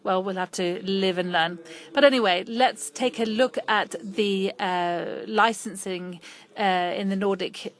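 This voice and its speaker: A woman simultaneously interpreting an academic lecture into English, halting often with fillers and restarts as she keeps up with the speaker. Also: medium pitch, fairly even intonation. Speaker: conference interpreter.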